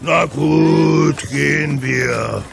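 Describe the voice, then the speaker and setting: A man's voice: a little high, very slow, gravelly, noisy background, exaggerated voice. A man playing a big, naive, brawl-loving Gaulish warrior in a comic cartoon radio play, childlike and eager. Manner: childlike, eager, literal-minded.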